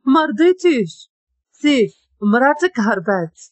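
A woman's voice: high-pitched, lively intonation, normal speed, fairly bright tone, husky, dry recording, exaggerated voice. A woman voicing a scornful man who taunts a rival, speaking with a Moroccan accent, in a read-aloud story. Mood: mocking. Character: mocking man gloating over a rival.

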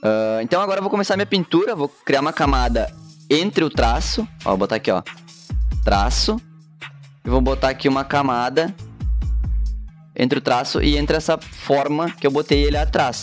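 Soft music underscores this expressive, medium-pitched male voice at normal speed. The speaker, a gaúcho graphic designer in his thirties from Rio Grande do Sul, streams live while drawing, chatting in laid-back, slangy Brazilian Portuguese littered with filler tags, through a headset in his home studio room.

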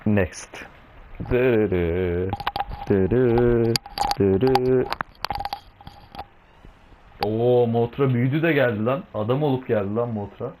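A young man talks his way through a video game from his home, casual and full of slang. He banters with the on-screen monsters as if they were pals. His voice sits at an ordinary middle pitch for a man. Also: moderate pace, few pauses, highs cut off, background noise. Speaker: gaming video host. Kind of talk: casual let's-play commentary.

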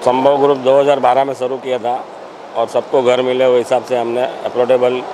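Older man speaking haltingly at an expo. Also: medium pitch, flat delivery. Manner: halting, with fillers and restarts. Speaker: senior company director. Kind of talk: interview at an expo stall. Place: busy indoor property expo. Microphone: handheld news mic, close. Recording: crowd noise of an expo hall.

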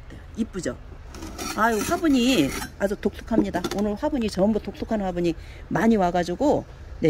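A woman's voice: medium pitch, background noise. A woman selling handmade plant pots online, chatting casually as she shows and measures each one and coaxes viewers to order. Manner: chatty, fills talk with pointing words, coaxing buyers. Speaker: online pot seller. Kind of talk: casual product showcase.

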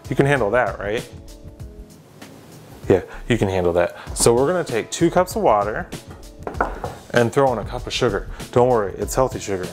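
A young man hosting a home cooking demonstration in his kitchen, talking straight to the viewer with deadpan joking asides. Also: mid-range voice, normal speed, pauses often, over music. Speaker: cooking show host.

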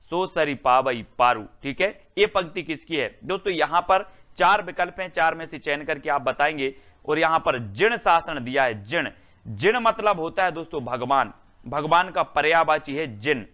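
A man teaching an exam-prep class, asking questions and answering them himself, and reciting verse slowly. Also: on the high side, sharp tone.

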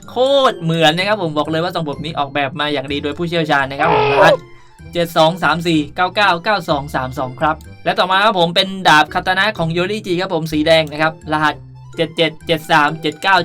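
Fast-talking, chatty man hosting a tutorial. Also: fairly high pitch, a bit bright. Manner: chatty, polite, addresses viewers often. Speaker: video creator and host. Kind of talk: casual game outfit tutorial for viewers. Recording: music behind the voice. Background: music.

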